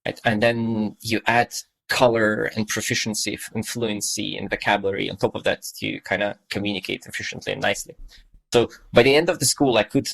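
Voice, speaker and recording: Here a man in his thirties, Estonian and a native Russian speaker, talks fairly quickly on a casual podcast, his lowish voice steady, a bit bright and touched with vocal fry. He is thoughtful and meandering, using lots of fillers, and the recording is rough.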